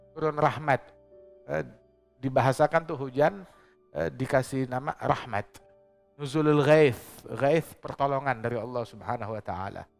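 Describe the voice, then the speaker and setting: A man with a medium-pitched voice preaches a religious lecture to a congregation in a mosque. He speaks emphatically, poses rhetorical questions and drops in joking asides.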